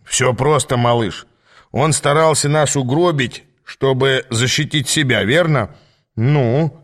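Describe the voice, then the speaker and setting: A man voicing a gruff, wisecracking, menacing male companion who growls commands. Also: mid-range voice, takes it slowly, close to an everyday voice. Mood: sly.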